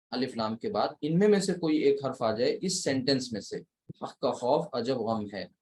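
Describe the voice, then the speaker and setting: A man teaching Arabic grammar in a slow, deliberate lecture, counting letters one by one as he writes them on a board, with a South Asian Urdu-Hindi accent. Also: medium pitch, a little mellow, poor audio. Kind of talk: recorded lecture at a writing board.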